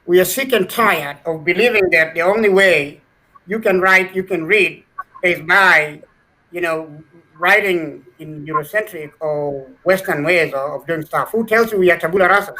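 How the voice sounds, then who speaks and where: A middle-aged Kenyan scholar is a guest answering interview questions earnestly, often repeating words as he builds a point. His voice is high-pitched, pushed, and bright, at normal speed, on a low-quality recording.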